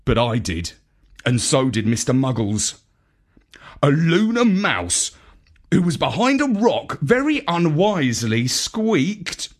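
A man reading a children's story in an expressive, deliberate, theatrical narrating style. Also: fairly high pitch. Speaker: story reader.

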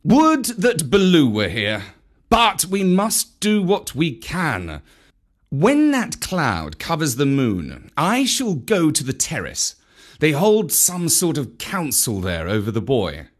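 A reader voicing a calm, resolute black panther with a measured, steady delivery. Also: mid-range voice, full character voice. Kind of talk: audiobook character voice.

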